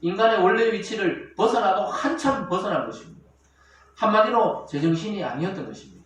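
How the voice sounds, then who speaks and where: A man's voice: sits high, expressive, a little fast. A pastor preaching a sermon in a church. He talks to the congregation directly, asks them rhetorical questions and acts out the lines he quotes. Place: church sanctuary. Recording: echoey church hall, miked from a distance.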